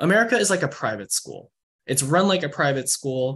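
Here a man speaks with ordinary pitch variation in an unremarkable speaking voice. The background is quiet. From United States, Chinese American. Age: young. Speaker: anonymous guest. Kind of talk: interview.

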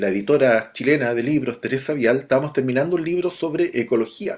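The voice belongs to a man speaking at a fairly high pitch. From Chile. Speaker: novelist. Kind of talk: interview.

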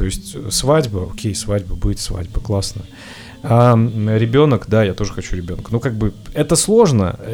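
Over noticeable background noise, a man talks at a moderate pace with a fairly low pitch, lively intonation, and long, frequent pauses. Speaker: podcast host. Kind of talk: casual chat. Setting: studio.

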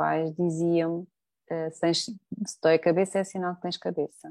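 A woman with an ordinary speaking voice talks at a fairly slow pace and fairly low pitch. The background is quiet. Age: 50s. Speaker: patient association representative. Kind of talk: casual chat.

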